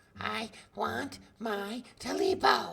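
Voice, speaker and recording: A put-on character voice that sounds croaky, raspy and hoarse. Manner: growling, menacing.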